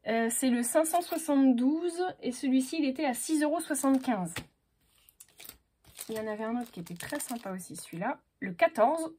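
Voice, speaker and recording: Unboxing craft stamps, this woman vlogger talks to herself as she sorts through them, casual and hesitant with plenty of fillers. Her voice is high, animated, and mellow at a normal speed, with a touch of hiss or hum.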